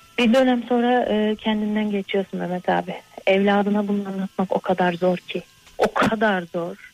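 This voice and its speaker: With a normal speaking voice, a woman at a medium pitch and a moderate pace is heard in a dry, close sound with no echo. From Kayseri, Turkey. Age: 30s. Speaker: caller, widow. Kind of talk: emotional phone call to radio show.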